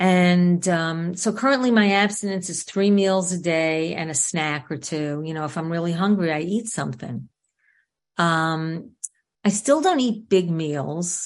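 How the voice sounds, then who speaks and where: Over a quiet background, a woman with an American accent speaks fairly slowly in a plain, everyday voice. Her pitch is fairly low, with ordinary variation. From New York City, Queens. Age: 60s. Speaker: recovery meeting speaker. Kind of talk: testimony. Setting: video call meeting with live Q and A.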